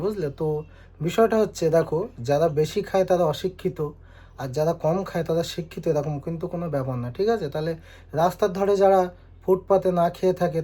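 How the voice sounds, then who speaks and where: A young man calmly explaining and reasoning with viewers in a casual vlog at home. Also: high-pitched. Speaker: vlogger, husband. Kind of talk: casual vlog talk replying to comments. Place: home indoors.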